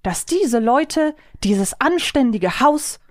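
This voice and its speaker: A woman's voice: high voice, expressive, slow, no echo, studio quality. A woman hosting a casual podcast quiz, chatting and reading out quotes. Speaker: podcast host and quizmaster.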